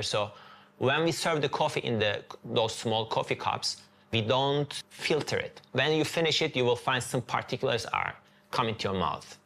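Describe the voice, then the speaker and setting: A man's voice: mid-range voice, vocal fry, fairly bright tone. A man in his forties with a Turkish accent, casually explaining things in an interview. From Turkey. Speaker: restaurant owner interviewed for documentary.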